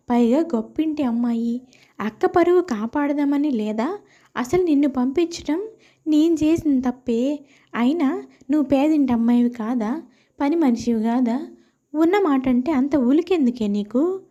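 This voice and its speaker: A woman voicing a bitter, domineering older mother-in-law with a sharp-tongued, taunting manner in a moral story. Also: high voice, dull audio.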